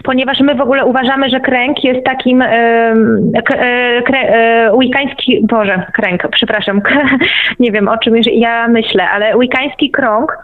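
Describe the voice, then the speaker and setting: A woman explaining things as a guest in a radio interview, conversational, pausing and checking with tag questions. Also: on the high side, steady tone. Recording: narrow, tinny phone-like line.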